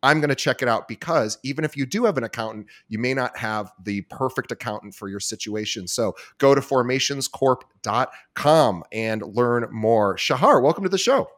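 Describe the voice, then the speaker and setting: A man's voice: mid-range voice, normal speed, hardly any pauses. Upbeat man hosting a podcast. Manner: energetic, repeats himself, self-deprecating. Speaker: podcast host. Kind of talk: casual interview hosting.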